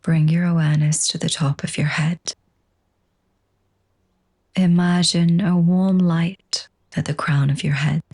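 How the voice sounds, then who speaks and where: A woman teaching yoga nidra, leading a slow guided relaxation in a soft, breathy, husky voice with a gentle, hushed, soothing manner. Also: fairly low pitch, steady tone.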